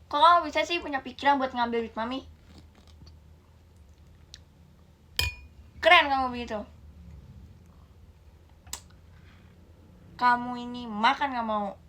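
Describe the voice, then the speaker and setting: A woman voicing a loud nagging mother who scolds her child in a shouting voice. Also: on the high side, fast, a little hiss or hum.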